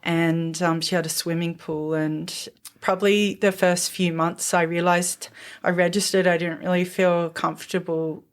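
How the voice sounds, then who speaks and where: A middle-aged Australian woman, a podcast guest, recalling her childhood thoughtfully and pausing to remember details. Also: on the low side, flat delivery. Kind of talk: reflective interview storytelling.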